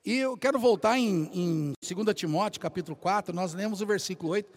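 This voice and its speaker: Guy preaching, high voice, keeps calling the crowd brothers. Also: a little fast. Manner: animated storytelling, addresses congregation as brothers. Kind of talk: sermon.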